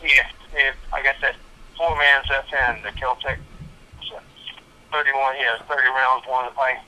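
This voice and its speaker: Host's dad heard through a phone on speakerphone. Bright, sharp tone, mid pitch, folksy, chatty phone call. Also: male voice, steady tone, moderate pace. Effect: heard over a phone on speakerphone. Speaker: host's father calling in. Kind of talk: casual phone chat. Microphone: phone speaker held near the host's mic.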